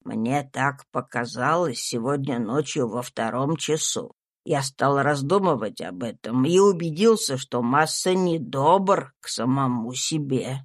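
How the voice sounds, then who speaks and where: A woman reading aloud, voicing a humble, devout old male servant who speaks slowly and sorrowfully. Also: very deep voice, expressive, no room sound, clean studio sound, pitched below the performer's own voice, exaggerated voice. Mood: grave pleading. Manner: slow, pleading, sorrowful.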